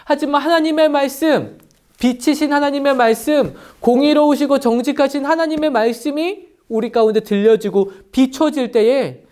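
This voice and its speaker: Animated man preaching to children. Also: very high voice, normal speed. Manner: animated, acting out quoted voices. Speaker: children's pastor. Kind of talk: children's sermon storytelling. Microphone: lavalier mic.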